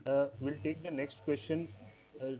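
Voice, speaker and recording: Man, slightly high voice, call moderator, procedural announcements, phone-like sound. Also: level tone, normal speed. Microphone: conference call line. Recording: narrow phone-like call audio.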